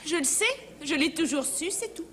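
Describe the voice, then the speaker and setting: A woman's voice: high voice, normal speed, slight background noise, close to an everyday voice. A woman playing an earnest, dainty young princess in a children's fairy tale, with a plaintive delivery. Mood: insistent. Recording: music behind the voice.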